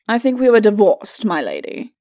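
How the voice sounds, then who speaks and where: Woman acting haughty, sneering skeleton lord, animated. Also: medium pitch, normal speed. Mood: irritable, dismissive. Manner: haughty, mocking, archaic aristocratic speech. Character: bickering, sneering undead skeleton lord, a husband. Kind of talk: storybook character acting.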